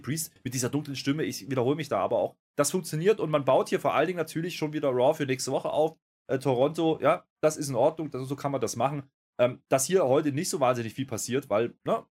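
A man's voice: mid-range voice, a little mellow, breathy edge. A man hosting a wrestling review podcast, rambling with many fillers in casual talk. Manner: rambling, full of fillers and self-corrections. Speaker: podcast host. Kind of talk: casual chat.

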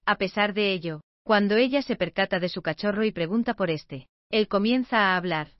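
A woman reading a book summary as scripted narration, in an even, measured way. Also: medium pitch, dry recording, muffled recording.

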